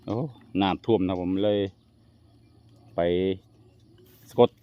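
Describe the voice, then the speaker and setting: A man narrating a casual fishing vlog outdoors, chatting to viewers as brothers and sisters. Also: slow. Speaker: vlogger. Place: outdoors in rural fields. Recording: muffled lo-fi outdoor audio.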